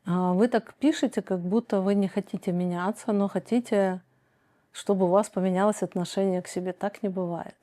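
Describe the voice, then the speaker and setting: A woman with a dark, mellow voice answers viewers' questions about their lives. She talks slowly and deliberately, often pausing on a soft hesitation before each point. Her advice comes out frank and direct. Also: medium pitch, fairly even intonation. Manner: slow, deliberate, many pauses and hesitations. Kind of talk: calm measured advice monologue.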